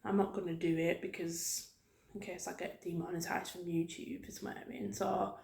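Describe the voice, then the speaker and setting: A woman giving a soft-spoken, informal ASMR ramble as a video host, talking in a hesitant, loosely wandering way. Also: fairly low pitch, little pitch movement, normal speed, creaky, a little hiss or hum. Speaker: YouTube host. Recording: roomy, echoing room sound.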